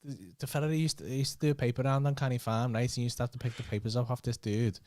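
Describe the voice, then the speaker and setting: A man hosts a podcast and jokes with his guest, swearing freely and laughing often. His voice sits at an ordinary middle pitch. The sound is close and dry, with no room echo. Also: level tone, rapid-fire, a little mellow. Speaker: podcast host. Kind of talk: casual banter.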